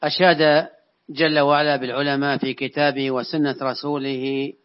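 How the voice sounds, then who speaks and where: A man's voice: medium pitch, little pitch movement, moderate pace. A man preaching a formal sermon in a solemn, oratorical manner, now and then repeating a phrase as he goes. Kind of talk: formal sermon in classical Arabic, reciting scripture quotations. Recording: dull, lo-fi recording.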